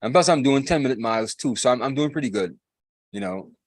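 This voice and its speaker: A man's voice: medium pitch, expressive, quick pace, no echo. A man, hosting a podcast in a hyped, rambling casual chat, repeating himself and laughing often. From Bahamas. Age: 40s. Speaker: podcast host.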